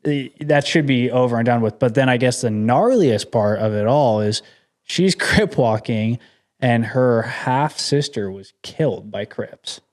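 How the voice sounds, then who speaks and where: A young man with a voice of ordinary male pitch rambles easily through his stories. He co-hosts a podcast and keeps the chat loose and informal. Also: a little slow. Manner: laid-back, rambling anecdotes. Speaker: podcast co-host. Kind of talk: casual chat.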